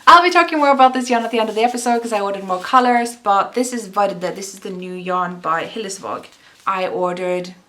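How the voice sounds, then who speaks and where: A woman's voice: mid-range voice, a little fast, bright, forceful tone. A young woman hosting a knitting video podcast, chatting in a rambling, self-deprecating way. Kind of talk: casual vlog chat.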